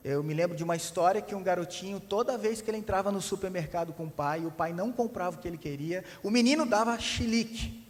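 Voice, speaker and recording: A man preaching a sermon as a pastor, animated storyteller who acts out the people in his stories. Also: high-pitched, quick pace. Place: church hall. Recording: long hall reverb.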